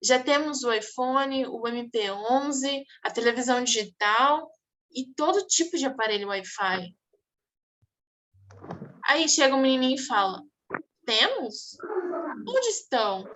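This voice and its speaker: A woman's voice: high voice, expressive, normal speed, fairly bright tone. A woman teaching a class, going over exam answers and checking in often with her students. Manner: explanatory, checks in with "tá bom?". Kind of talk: online exam review class.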